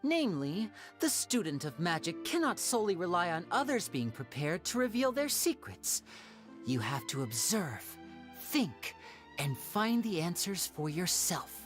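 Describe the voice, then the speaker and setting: A playful young magician from a video game. He speaks in a polished, theatrical lilt with lively swings of pitch, courteous and teasing, over faint music. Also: a little slow, exaggerated voice. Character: suave young male stage magician, playful, courteous showman. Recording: game audio with music behind.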